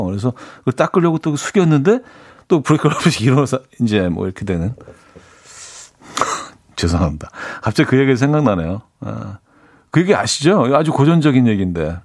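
A man's voice: mid-range voice, very animated, fairly quick, no echo. A man hosting a radio show in a casual, chatty way, laughing at his own jokes and reading out listener messages in a studio. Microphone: studio microphone.

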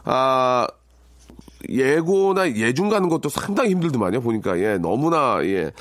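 A man's voice: medium pitch, sing-song, a little slow, dry recording. A middle-aged man hosting a radio show, reading listener messages and chatting about them with wry asides and constant filler words. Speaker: radio DJ host. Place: radio studio. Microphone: studio microphone.

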